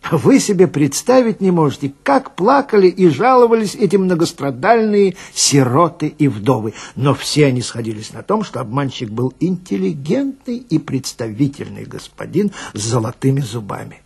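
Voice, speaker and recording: A man playing a chatty, grumbling police detective who tells his story wryly and confidingly, with dramatic pauses, in a radio reading with a gravelly, husky voice. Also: a little high, big pitch swings, darkish tone, exaggerated voice. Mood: mock sympathetic.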